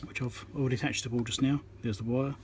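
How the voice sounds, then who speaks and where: Speaking rapid-fire in a steady, mid-range voice, a man walks through an electronics repair, casually and plainly narrating his thoughts. The tutorial was recorded on a phone on a tripod against a noisy background.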